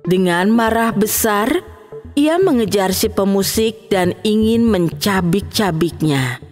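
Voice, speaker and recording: A woman narrating a children's storybook cartoon with clear, expressive delivery. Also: mid-range voice, slow, soft background music.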